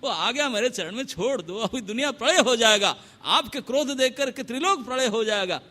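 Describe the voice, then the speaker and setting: A man's voice: extremely high pitch, animated, a little fast, sharp tone, heavily acted. A man voicing an elderly male royal guru who speaks with authority and scolds sharply. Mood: scolding grave.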